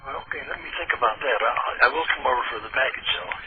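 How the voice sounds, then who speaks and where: A man's voice: mid-range voice, quick pace. A man on a phone call who hesitates and stammers, puzzled by the caller. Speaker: prank call target. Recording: tinny phone line with hiss.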